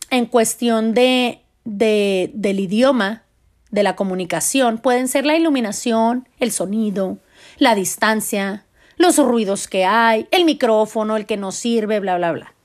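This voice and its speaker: A Mexican woman in her forties, a mother telling family stories to her viewers in a loud, expressive, casual way. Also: a little high, measured pace.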